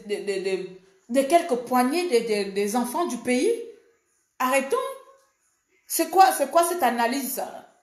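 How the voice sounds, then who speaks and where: A woman from Gabon, an activist, talking fast and emphatically in a defiant political monologue. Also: fairly high pitch, a little mellow, echoey room.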